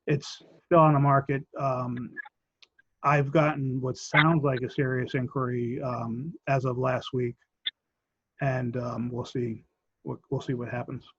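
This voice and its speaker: A man who is losing his voice, clearing his throat often as he gives measured updates in a committee meeting. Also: mid-range voice, flat delivery, no echo, dull audio. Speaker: land bank staff member.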